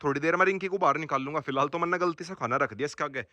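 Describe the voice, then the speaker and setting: A man, talking casually to his viewers while he walks his dog farm and shouts to his dogs. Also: on the high side, very fast, no echo, muffled recording. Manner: calls out loudly to his dogs. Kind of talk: casual vlog commentary.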